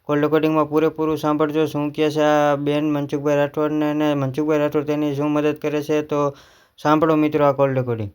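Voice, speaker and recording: A man's voice: a little high, completely flat delivery, fast, darkish tone, clear, resonant tone. A man giving a scripted introduction to a recording as its presenter. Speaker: video introducer.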